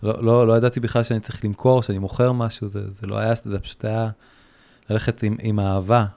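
Low-voiced hesitant man, casual chat. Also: level tone, creaky, a little mellow. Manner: hesitant, many restarts and fillers. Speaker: guest, surfboard repairer. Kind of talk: casual podcast conversation.

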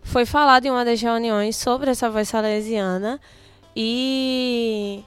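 Young female guest, clear bright-toned delivery, lively anecdotes, soft music bed. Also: fairly high pitch, slow pace, no echo. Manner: animated storytelling, quotes her own thoughts. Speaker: guest, youth delegate. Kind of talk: casual interview chat.

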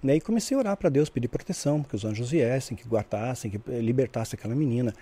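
A man tells a story at a quick clip, his voice dark and mellow. He talks in a lively way and acts out the voices he quotes, often checking in with "né?". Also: mid-range voice, slightly rough. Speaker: guest storyteller. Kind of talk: casual storytelling.

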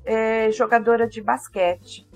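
An older woman with a caipira accent from interior São Paulo speaks reflectively about herself in conversation, pausing thoughtfully to search for her words. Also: on the high side, steady tone, soft background music. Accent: caipira accent of interior São Paulo, with a strong R. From interior of São Paulo state, Brazil. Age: 50s or older. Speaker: interview guest.

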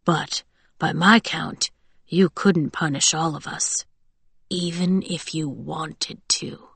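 A woman voicing a defiant male wolf-soldier leader in an audiobook, slow, sardonic and quietly threatening. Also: deep voice, vocal fry, breathy edge, dry recording, full character voice. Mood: quiet threat.

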